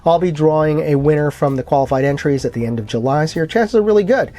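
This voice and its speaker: Man with a higher-pitched voice reviewing gear. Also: quick pace, mellow. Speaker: product reviewer and channel host. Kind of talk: casual product review with hands-on demonstration.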